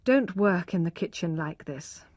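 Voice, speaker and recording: Rich: A hard, logical young husband who speaks forcefully and reproachfully, read by a woman. The delivery is slow and measured. It is recorded close in a dry room. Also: fairly low pitch, lively intonation, no room sound. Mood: firm.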